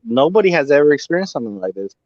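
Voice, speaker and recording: A man's voice: fairly high pitch, sing-song, racing, a crowd in the background. A man joining a group call, loose and joking. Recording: dull line with faint hiss.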